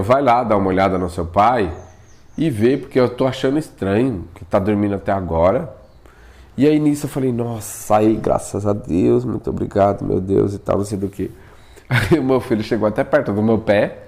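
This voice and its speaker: Casting: man, casual storytelling vlogger, animated, keeps asking and answering his own questions. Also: lowish voice. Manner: animated, acts out his own past pleas, often asks himself "por quê?". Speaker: vlogger telling a personal experience.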